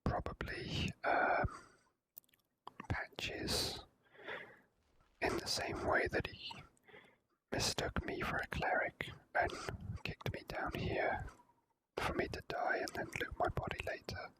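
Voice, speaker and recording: A person whispering relaxed, unhurried ASMR commentary while playing a video game. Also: low-quality recording.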